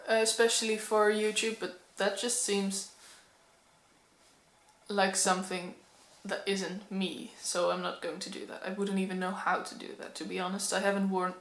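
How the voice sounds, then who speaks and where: Young Dutch-accented woman, casual book vlog to camera, candid and slightly nervous, mid-pitched voice, roomy echo. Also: little pitch movement, normal speed, fairly bright tone. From Netherlands. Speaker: book vlogger. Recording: echoey room.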